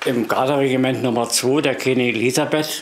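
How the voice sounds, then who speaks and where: A man talks with monotone, flat intonation. Noticeable background noise is present. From rural eastern Germany, near Magdeburg. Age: 80s+. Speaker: contemporary witness. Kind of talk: interview, personal memories. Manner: hesitant, with fillers and restarts.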